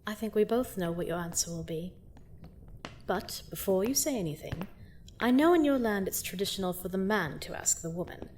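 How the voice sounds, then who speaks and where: A woman's voice: mid-range voice, expressive, normal speed, a little mellow, slight background noise, natural voice. A woman playing a seductive, gloating vampire queen in a fantasy audio drama, theatrical and mock-sweet as she menacingly toys with her captive. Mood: smug insistence. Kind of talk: scripted roleplay audio drama monologue.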